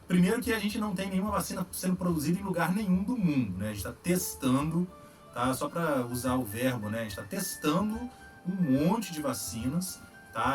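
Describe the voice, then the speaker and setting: Brazilian guy explaining stuff casual and slangy, kinda high voice, mic a bit far, faint music under it. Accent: Brazilian Portuguese. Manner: relaxed, slangy, lots of "tá?" tags. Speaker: host answering viewer questions on vaccines.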